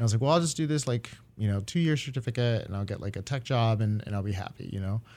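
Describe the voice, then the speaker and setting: Recorded very cleanly with a silent background, a man with an American accent speaks at a very fast pace. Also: medium pitch for a man, ordinary pitch variation. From Japan (US military bases). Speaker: PhD student, wildlife biologist. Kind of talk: interview. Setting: radio studio.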